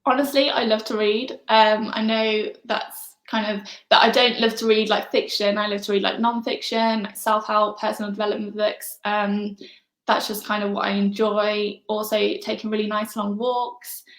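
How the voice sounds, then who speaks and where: A woman answering interview questions in a relaxed, casual way, soft-spoken with frequent pauses and fillers. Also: mid-range voice. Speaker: interview guest. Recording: echoey room.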